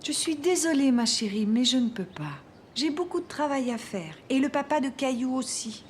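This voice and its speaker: A woman's voice: sits high, animated, moderate pace. A woman voicing a kind, patient young mother in a French children's cartoon. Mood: gently apologetic.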